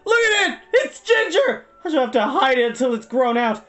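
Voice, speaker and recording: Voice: sits high, very animated, moderate pace, fairly bright tone, voice pushed up. A narrator voicing a vain, hysterical young male wizard in an audiobook, wailing and shrieking in overwrought exclamations. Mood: furious despair.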